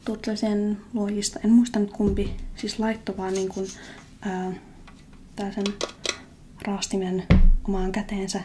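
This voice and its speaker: Soft-spoken and relaxed, a woman talks at a medium pitch with monotone, flat intonation. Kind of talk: ASMR cooking video, soft-spoken casual talk. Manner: soft-spoken, relaxed.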